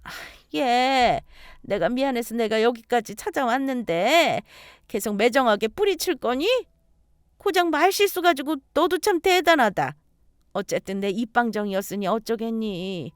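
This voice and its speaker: A woman's voice: a little high, animated, measured pace, smooth, no room sound, clean studio sound. A woman voicing a scheming middle-aged future mother-in-law who shrieks and wails. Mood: grudging.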